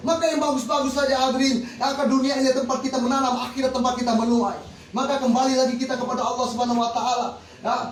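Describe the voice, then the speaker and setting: A man preaching a Muslim sermon, exhorting listeners with rhetorical questions. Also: very high voice. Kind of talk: religious sermon to an audience. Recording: echoey, distant mic with faint noise.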